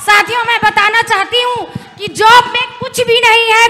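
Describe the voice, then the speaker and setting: A woman's extremely high-pitched, raised and projected voice in a monotone, flat intonation. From Chhattisgarh, India. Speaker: health worker, seminar participant. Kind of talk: short testimony at seminar.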